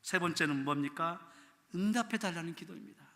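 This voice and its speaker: Middle-aged male pastor, animated sermon delivery, high-pitched and bright tone, long church-hall reverb. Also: fairly quick. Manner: animated preaching, acting out prayers and quotes, shouting then dropping soft. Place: church sanctuary.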